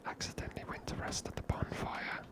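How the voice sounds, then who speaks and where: A woman whispers her way through a video game as an ASMR host. Her voice is breathy and unvoiced, and her commentary is chatty and unscripted. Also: brisk.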